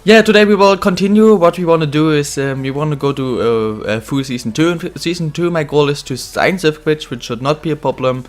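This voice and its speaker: A man's voice: a little high, brisk, few pauses. Slightly ill man, rambling gameplay commentary. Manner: rambling, with many fillers and self-corrections. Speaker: gaming video host.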